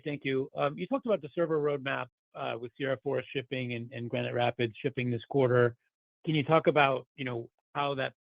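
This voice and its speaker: A man's voice: mid-range voice, creaky, no echo. A man asking a financial analyst's question on an earnings call, polite and probing. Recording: dry, dull phone-quality line.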